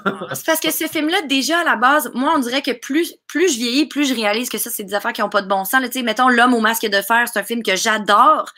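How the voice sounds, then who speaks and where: A young adult woman with a Québécois French accent talks as a podcast guest. Her voice sits slightly high and sounds bright, even sharp. She chats in an animated way, tumbling through quick asides and fillers. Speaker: guest, voice actress. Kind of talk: casual podcast chat.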